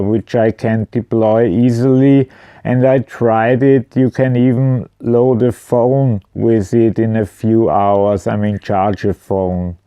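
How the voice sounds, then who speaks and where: A man's voice: medium pitch, warm tone, smooth, dry recording, lo-fi sound. A man giving an informal product explanation at home, speaking in a hesitant, matter-of-fact way. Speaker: video presenter. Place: indoors at home.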